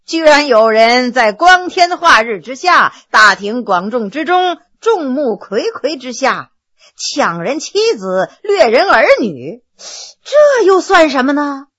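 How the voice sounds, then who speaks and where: A woman's voice: high voice, very animated, slow, heavily acted. A woman voicing a brash, mocking male general who teases and laughs at his judges in a spoken storytelling. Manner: teasing, laughing, loud outbursts.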